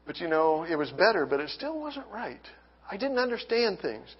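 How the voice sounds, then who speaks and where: A man giving an earnest personal faith testimony, halting with restarts and reading scripture aloud. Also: sits high, big pitch swings, slight background noise. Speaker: testimony speaker. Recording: dull lo-fi recording.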